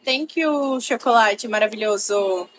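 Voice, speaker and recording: A woman's voice: a little high, measured pace, husky. Chatty woman live-streaming. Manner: chatty, greets and thanks viewers by name. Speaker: livestream host. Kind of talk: casual live-stream chat. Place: bedroom. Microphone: laptop.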